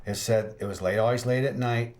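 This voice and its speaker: A man's voice: mid-range voice, fairly even intonation, brisk, darkish tone. A man hosting a ghost-hunting podcast, telling investigation stories in casual chat. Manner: storytelling, laughs at his own tales. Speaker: ghost hunter podcast host.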